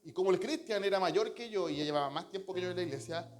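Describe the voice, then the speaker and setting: A man's voice: high voice, quick pace. A man with a Chilean accent preaching a sermon as pastor, earnest and storytelling, often calling listeners brother. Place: church.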